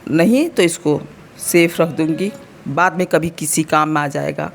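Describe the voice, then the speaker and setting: A woman's voice: low voice, unhurried, vocal fry, a little hiss or hum. A woman in her thirties from India with an Uttar Pradesh Hindi accent and a slightly sore throat, chatting to her viewers in a casual home vlog. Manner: chatty, addresses viewers directly, explains as she goes. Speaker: vlogger.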